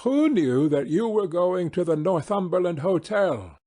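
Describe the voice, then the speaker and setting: A man's voice: high-pitched, big pitch swings, a little slow, mellow, pitched above the performer's own voice, exaggerated voice. A man reading an audiobook as a keen, analytical detective, courteous, with a precise, questioning delivery. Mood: probing.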